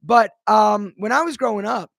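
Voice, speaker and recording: A man hosting a casual live Q&A, chatting energetically and greeting viewers by name, his voice rough from seasonal allergies. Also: high-pitched, moderate pace, a bit bright, no echo, studio quality. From Philadelphia. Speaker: livestream host.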